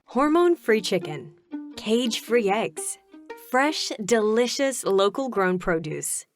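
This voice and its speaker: A woman's voice: on the high side, big pitch swings, slow. A woman giving polished commercial voice-over reads. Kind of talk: polished advertising read. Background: music bed.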